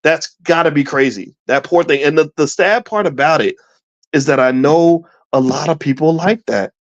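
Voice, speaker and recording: A man's voice: a little high, normal speed, muffled recording. A man giving impassioned commentary in a preachy, emphatic way, putting questions to his listeners.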